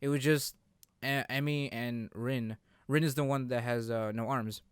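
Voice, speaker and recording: A man hosting a casual podcast chat about games, halting as he repeats and rephrases himself. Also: medium pitch, fairly even intonation, smooth, no echo, clean studio sound. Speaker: podcast host.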